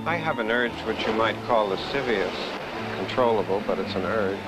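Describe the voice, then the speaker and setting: An actor playing an anguished, defensive young husband in a naturalistic 1970s film. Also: male voice, fairly low pitch, normal speed, over loud music, lightly acted, rough recording. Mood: confessional.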